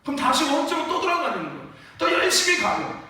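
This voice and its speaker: Animated preaching man in echoing sanctuary. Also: extremely high pitch, fast talker. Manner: animated preaching, rising to shouts, calls for amens. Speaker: pastor. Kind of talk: sermon. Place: church sanctuary. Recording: echoey church hall from far off.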